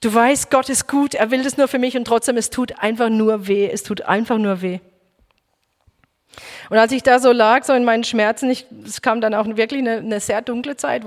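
A woman preacher giving a personal testimony sermon, emotional and halting, with frequent restarts. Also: fairly high pitch. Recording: echoey hall reverb.

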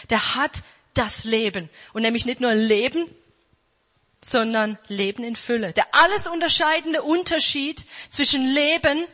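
High-voiced woman preaching in a hall. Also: pushed and bright. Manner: emphatic, repeats key phrases, slows down for quoted verses. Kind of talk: sermon. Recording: reverberant hall.

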